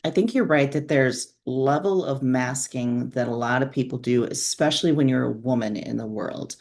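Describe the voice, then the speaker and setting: A woman's voice: very deep voice, normal speed, darkish tone. Reflective woman author in casual conversation. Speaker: author being interviewed.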